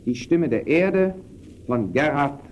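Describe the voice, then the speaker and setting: A man presenting in a measured, formal, declamatory old radio announcing style. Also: on the high side, lively intonation. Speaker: presenter of radio play examples. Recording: muffled old radio recording, faint noise.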